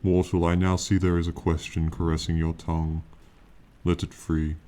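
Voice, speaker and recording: An ancient, proud dragon speaks , played by a man, in a very deep, dark voice with little rise or fall. The manner is solemn and condescending, with archaic phrasing suited to a fantasy ASMR roleplay. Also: level tone, natural voice. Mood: detached, solemn. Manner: slow, solemn, archaic, condescending speech to a mortal. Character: ancient, proud, aloof male dragon companion. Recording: faint rain noise behind. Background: rainfall ambience.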